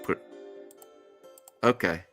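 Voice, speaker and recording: A man streamer talking slowly and offhandedly to himself as he sets up. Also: a bit bright, faint music behind. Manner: slow, offhand muttering while setting up.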